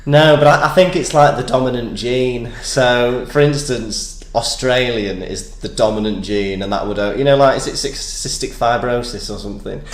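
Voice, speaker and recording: Welsh-born bloke, Manchester accent, rambling jokey co-host, echoey room. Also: male voice, medium pitch, moderate pace, few pauses, a little hiss or hum. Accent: Manchester northern English. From North Wales. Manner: rambling, self-deprecating, jokey. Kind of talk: casual comedic chat.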